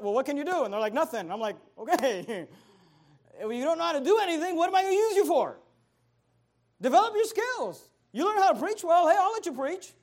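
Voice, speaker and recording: A young adult man preaching a sermon as pastor, emphatic and repetitive, driving his points home. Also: very high-pitched.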